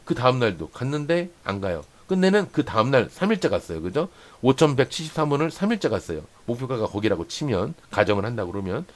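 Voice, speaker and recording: A man's voice: medium pitch, sing-song, quick pace, hardly any pauses. A man hosting a stock trading channel, walking viewers through a chart and repeating points for emphasis. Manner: explanatory, points along a chart with many "here" and "this much"; repeats phrases for emphasis, asks "right?" often. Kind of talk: chart-analysis lesson for day traders.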